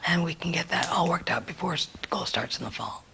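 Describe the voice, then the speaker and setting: A woman's voice given through live interpretation in a planning meeting. She speaks in halting phrases with frequent ums. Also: fairly low pitch, lively intonation, creaky, a bit bright, in a whisper. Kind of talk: live sign language interpretation voiced aloud.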